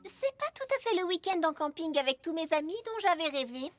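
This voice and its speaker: A cheerful young cartoon girl with a very high, lively voice. She sounds earnest and eager to exclaim, and music plays behind her. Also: a little fast. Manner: animated, exclamatory. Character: cheerful, earnest young girl baker who loves camping. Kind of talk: French cartoon dubbing.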